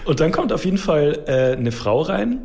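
A man's voice: fairly high pitch, sing-song, normal speed, creaky, darkish tone. A man chatting casually and humorously as a podcast co-host, informal and enthusiastic.

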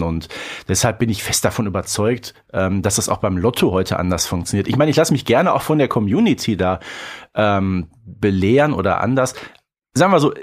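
A man co-hosting a podcast in casual chat, rambling and colloquial, often seeking agreement. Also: mid-range voice. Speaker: podcast co-host. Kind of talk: casual chat about audio drama episodes.

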